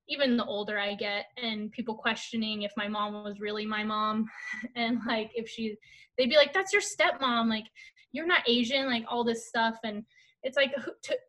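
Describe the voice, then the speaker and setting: Woman, from the United States, casual interview chat, restarts often, higher pitch. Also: a bit bright. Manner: chatty, many "like" fillers and restarts. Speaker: guest.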